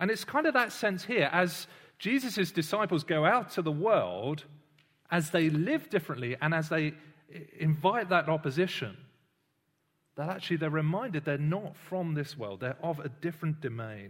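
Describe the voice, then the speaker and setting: A man speaks at a fairly high pitch with lively intonation. The recording is very clean, with a silent background. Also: moderate pace. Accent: British. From Britain. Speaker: preacher. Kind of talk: sermon.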